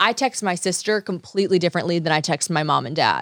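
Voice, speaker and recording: On a very clean recording with a silent background, a woman with an American accent speaks with ordinary pitch variation in a dry, close sound with no echo. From US Deep South. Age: 20s. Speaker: social media personality. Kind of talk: casual interview chat.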